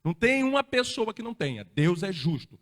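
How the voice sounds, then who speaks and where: Brazilian pastor, male, high-pitched emphatic preacher, church hall with long reverb. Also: very animated, a little fast, a bit bright. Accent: Brazilian Portuguese. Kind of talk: sermon.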